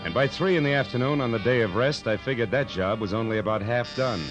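A man's voice: mid-range voice, quick pace, natural voice, poor audio. A man playing a weary, wry private detective with an American accent and a dry, sardonic delivery in 1940s radio noir style. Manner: dry, sardonic, clipped wisecracking. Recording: vintage 1940s radio broadcast with music.

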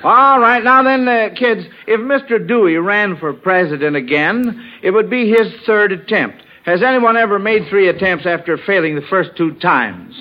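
A man hosting a 1940s radio quiz in a folksy, avuncular, halting way. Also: high voice, lively intonation. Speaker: radio quiz show host. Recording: muffled 1940s radio broadcast.

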